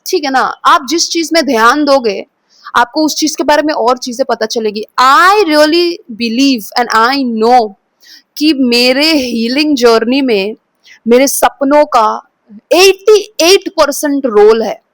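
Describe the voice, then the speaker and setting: High-pitched woman from kolkata telling a scary dream, dramatic, dry sound. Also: slow pace, dry recording. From Kolkata, India. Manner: dramatic, expressive retelling of a dream; mixes in English phrases. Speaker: vlogger. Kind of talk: storytelling vlog.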